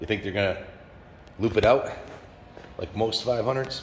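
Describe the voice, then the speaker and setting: Over noticeable background noise, a man speaks at a medium pitch with ordinary pitch variation. His tone is relaxed and enthusiastic. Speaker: motorcycle dealer. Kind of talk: casual workshop narration to camera. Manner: relaxed, enthusiastic.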